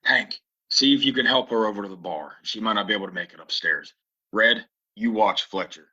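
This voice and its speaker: A grave frontier gunfighter, played by a man, low-voiced with a very sharp, forceful edge. He speaks in measured, ominous Western drama style on a slightly dull recording. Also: slightly rough, exaggerated voice. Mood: commanding. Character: grave, strategic male gunfighter stranger. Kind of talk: audio play Western acting.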